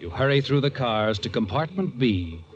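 An American actor playing a taunting, knowing, ominous narrator of a 1940s radio suspense drama. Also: male voice, mid-range voice, very animated, normal speed, highs cut off, noisy background, natural voice. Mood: knowing, insinuating. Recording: band-limited vintage radio recording.

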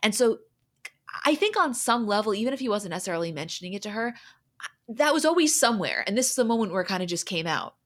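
A woman's voice: medium pitch, sing-song, fast talker. A woman hosting a podcast, recapping in a casual, conversational way as she retells who said what. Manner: conversational, retells quoted dialogue scene by scene. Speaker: podcast host.

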